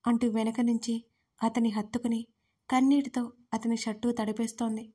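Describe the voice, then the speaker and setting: A woman narrating an audio love story in a steady, scripted way. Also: fairly high pitch, moderate pace, slightly rough.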